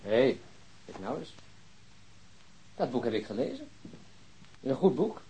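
Blunt, insistent Dutch police detective, slightly husky. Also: male voice, medium pitch, very animated, a little slow, mellow, heavily acted, low-quality recording. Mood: probing. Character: persistent male police detective questioning a bereaved woman. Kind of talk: Dutch radio drama acting.

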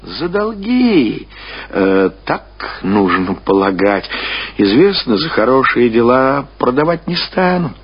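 A man's voice: mid-range voice, sing-song, takes it slowly, breathy edge, full character voice. A man voicing an evasive, servile estate bailiff who mumbles and hesitates in a dramatic radio reading. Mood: cautious, servile. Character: evasive, timid, servile male estate bailiff reporting reluctantly. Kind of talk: dramatic reading of classic literature. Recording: dull archive radio recording.

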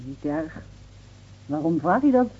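An actress playing a bitter, grieving village wife in an intense, emotional radio drama. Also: female voice, low voice, sing-song, unhurried, slightly rough, exaggerated voice. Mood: sullen, guarded. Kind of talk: Dutch radio drama acting. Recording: muffled, phone-like old radio recording.

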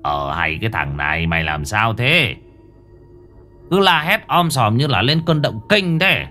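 A man voicing a grumpy older male neighbor who scolds gruffly. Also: medium pitch, big pitch swings, measured pace, pushed and bright, faint music behind. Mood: scolding.

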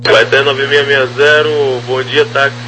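A man's voice: mid-range voice, little pitch movement, normal speed. A man working as an air traffic controller, giving clipped procedural instructions in a crackly military-style radio manner. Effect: radio transmission. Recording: crackly, noisy aviation radio with hum.

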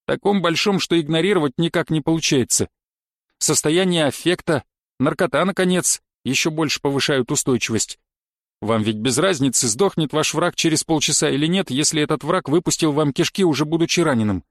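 A man's voice: a little high, a little fast, no room sound, studio quality, natural voice. A man voicing a pedantic male knife-fighting coach who lectures dryly and thoroughly in an audiobook. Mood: lecturing. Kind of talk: audiobook character reading.

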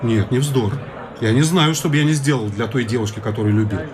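An actor playing a worldly bachelor friend in a radio play, matter-of-factly lecturing against marriage. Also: male voice, medium pitch, brisk, noisy background, natural voice. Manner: lecturing, confiding, matter-of-fact. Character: worldly bachelor friend, sober-minded young man.

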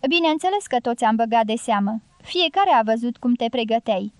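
A woman reading the part of a tipsy male gypsy guerrilla who keeps urging in a low, insistent voice. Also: animated, a little mellow, smooth, no echo, close to an everyday voice. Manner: urgent low prodding, half-whispered.

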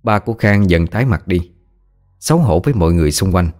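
A man narrating a story in a measured, steady storytelling manner. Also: sits low, soft background music.

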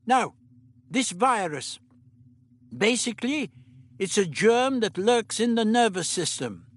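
A man reading an audiobook puts on a fussy, absent-minded old doctor with a raised, lively voice. He stammers, fusses and hurries people along in an old-fashioned way. His voice swings all over in pitch. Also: slow, full character voice. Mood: explaining.

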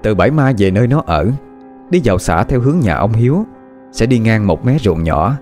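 Male audiobook narrator, low and animated, suspenseful horror reading. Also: moderate pace, soft background music. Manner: expressive, suspenseful storytelling. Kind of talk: scripted horror story narration.

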